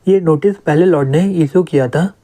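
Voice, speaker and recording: Calm young male lord, steady, slightly high, mellow, read by a man. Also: moderate pace, close to an everyday voice.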